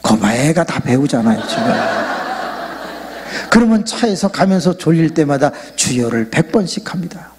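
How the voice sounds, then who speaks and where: A man preaching a lively revival sermon in a large church sanctuary, joking and leading the congregation in loud shouted prayers. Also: on the high side, moderate pace, noisy background. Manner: jokey, animated, leads the crowd in loud shouted prayer. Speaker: pastor. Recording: long reverb of a big church hall.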